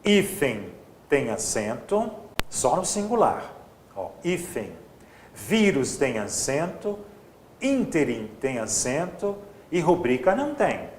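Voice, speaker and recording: A man's voice: fairly high pitch, very animated, takes it slowly, roomy sound, slight background noise. A man teaching an exam-prep grammar lesson, explaining step by step and checking in with his students often.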